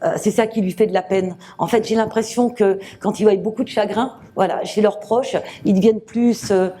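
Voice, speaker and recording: A woman medium giving a live reading to an audience, speaking gently with many fillers and restarts. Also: medium pitch, fairly even intonation, normal speed. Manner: gentle, reassuring address to the sitter.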